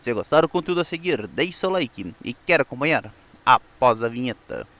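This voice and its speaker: A man's voice: medium pitch, lively intonation, normal speed, noisy background. A man with a Brazilian accent presenting in an explanatory, semi-scripted narration, with occasional stumbles. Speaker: presenter of a weekly history channel.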